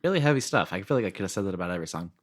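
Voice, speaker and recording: A man co-hosting a podcast in a jokey, animated, casual chatting style. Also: low-pitched, rapid-fire. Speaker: podcast co-host. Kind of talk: casual chat.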